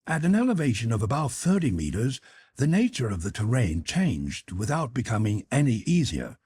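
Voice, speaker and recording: A man narrating a literary audiobook in a measured, expressive storytelling manner. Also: medium pitch, breathy edge, dry recording.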